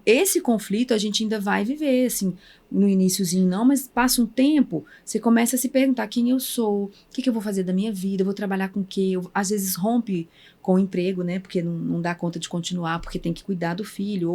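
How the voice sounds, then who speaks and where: A Brazilian woman in her thirties talks quickly as a podcast guest. She tells stories with energy and acts out the things people said to her. Her pitch sits in the middle range. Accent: Brazilian Portuguese. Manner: animated storytelling, acts out remembered speech. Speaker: guest psychologist. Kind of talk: casual conversational interview.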